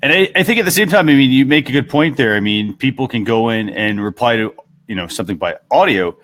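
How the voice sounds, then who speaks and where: A man's voice: medium pitch, expressive, fast, fairly bright tone. A man co-hosting a casual panel discussion, explaining his view with some hesitant starts. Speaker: talk show co-host.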